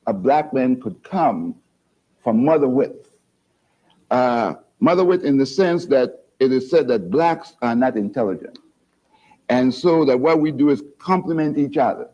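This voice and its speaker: Folksy guy chuckling, mellow middle voice, dull old tv recording. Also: medium pitch. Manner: folksy, self-deprecating, chuckling asides. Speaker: guest lecturer. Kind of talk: conversational TV interview. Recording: dull lo-fi TV audio.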